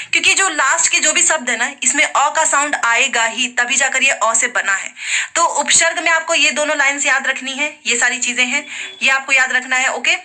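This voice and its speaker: Bright-voiced woman teaching grammar. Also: on the high side. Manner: explains patiently, repeats examples aloud. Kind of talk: online grammar lesson.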